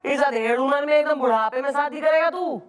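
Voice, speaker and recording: An actress playing a bossy, sharp-tongued police officer, blunt and mocking. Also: female voice, high-pitched, a little fast, crowd noise, close to an everyday voice. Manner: blunt, mocking, rural dialect.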